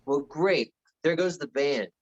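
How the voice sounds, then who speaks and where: A man's voice: on the high side, measured pace. A man playing a nerdy, bossy teenage boy who leads a band, in a table read of a film script. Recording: dull lo-fi call audio.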